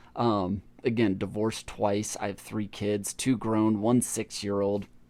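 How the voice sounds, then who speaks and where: A man with a slight Southern US accent, fairly low-pitched and dark, mellow in tone, at a fairly slow pace in a monotone, flat intonation. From Pennsylvania, later US South. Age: 40s. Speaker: podcast host. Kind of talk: casual monologue. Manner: rambling, halting with repetitions.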